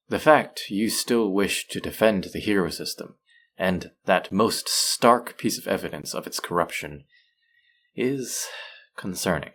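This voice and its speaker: Man playing a low-voiced manipulative supervillain captor. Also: a bit bright, full character voice. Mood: disdainful. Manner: measured, condescending, coaxing. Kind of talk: scripted roleplay audio drama.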